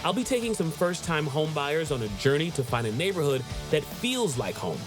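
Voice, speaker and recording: A man's voice: a little high, very animated, fairly quick. A man hosting a home-buying show as a realtor, narrating with upbeat enthusiasm and chatting with buyers. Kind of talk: scripted narration and on-site chat. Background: background music.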